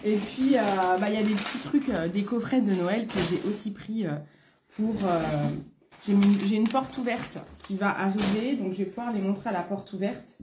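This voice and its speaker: A woman's voice: mid-range voice, moderate pace, background noise. A French woman hosting a casual live stream as a beauty consultant, chatty and greeting viewers by name, with a throat congested from a coming cold. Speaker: beauty consultant selling online.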